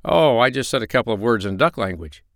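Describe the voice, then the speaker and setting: A man voicing a kind, cheerful animal doctor in a storybook, speaking gently and reassuringly. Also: mid-range voice, expressive, quick pace, dry recording, clean studio sound.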